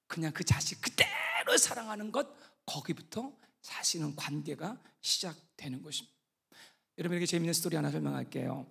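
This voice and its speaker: A male pastor preaching a sermon, telling a story with lively animation and acting out the characters. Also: fairly high pitch, creaky, breathy edge. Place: church sanctuary. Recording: long reverb of a large church hall.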